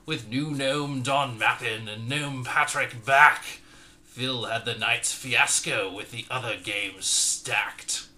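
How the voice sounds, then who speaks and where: Man, comic verse reader, very bright tone, mock-dramatic delivery with loud bursts. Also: medium pitch. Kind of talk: comic dramatic poem reading.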